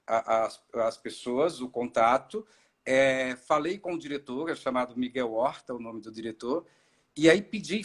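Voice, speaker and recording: A middle-aged man from Ceará, an actor and director, telling his story in a relaxed live-stream interview, with many fillers and restarts. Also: fairly high pitch, slightly rough. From Ceará, Brazil. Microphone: video call.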